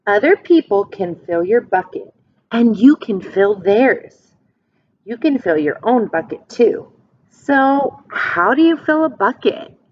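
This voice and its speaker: Taking her time over simple phrases, a woman reads a picture book to young children the way a teacher would, her pitch rising and falling in a lively, expressive manner. She speaks slowly, and the lo-fi recording sounds slightly dull, with a bit of background noise.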